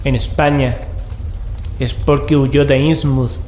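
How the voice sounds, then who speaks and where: Actor como investigador formal español, sala con eco. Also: male voice, mid-range voice, fairly even intonation, darkish tone, natural voice. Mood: inquisitive, measured. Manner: formal, measured, deductive. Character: inquisitive, formal male visitor reasoning out a mystery. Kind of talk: horror audio drama acting. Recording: echoey room with faint noise.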